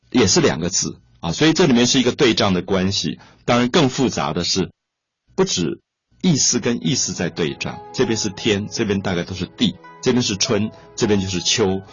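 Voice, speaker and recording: A man lectures patiently on classical verse and repeats each key point. His voice is low and very husky. The recording sounds dull and lo-fi, with faint music underneath. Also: dry recording. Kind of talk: explanatory lecture.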